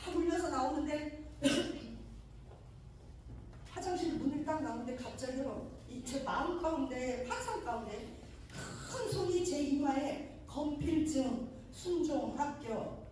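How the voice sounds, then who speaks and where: A woman's voice: sits high, animated, measured pace, a little mellow, slight background noise. A middle-aged woman preacher giving an emotional sermon testimony, telling her story and acting out the dialogues in it. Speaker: preacher and mission leader. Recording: echoey hall from far off.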